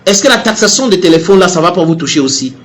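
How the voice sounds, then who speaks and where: Brief: man from Cameroon, fiery online commentator, somewhat high voice, heated, repeats and stammers. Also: lively intonation, fast talker. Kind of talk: impassioned direct-to-camera rant.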